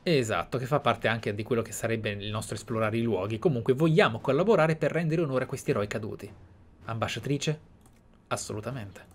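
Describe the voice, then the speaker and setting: A man's voice: mid-range voice, brisk, slight background noise. A man with an Italian accent commentating on a video game, with theatrical delivery and reflective asides. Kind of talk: game commentary with read-aloud in-game letters.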